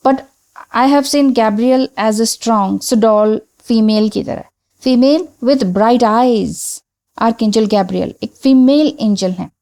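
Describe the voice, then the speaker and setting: A woman's voice: on the high side, dark tone. A woman giving a spiritual teaching talk, explaining step by step, mixing in phrases and answering her own questions. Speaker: tarot reader and spiritual teacher.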